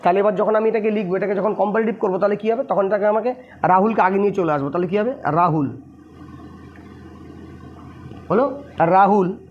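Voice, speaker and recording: Fast, high-voiced Bengali tutor explaining grammar. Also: male voice, slight background noise. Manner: repeats and asks rhetorical questions. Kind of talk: explaining lesson to students. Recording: dull lo-fi recording.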